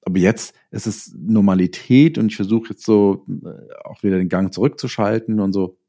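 Male author guest, middle-aged. Low and dark, relaxed timbre, reflective casual talk. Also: normal speed, gravelly. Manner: reflective, explains through self-quotes. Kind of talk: casual conversational interview talk.

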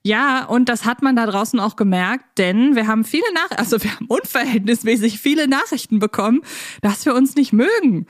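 A woman co-hosts a podcast with a fairly high voice. She is talkative and teasing, chatting casually. The sound is dry, with hardly any room on it. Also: animated, a little fast, no echo. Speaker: podcast co-host. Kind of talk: casual chat.

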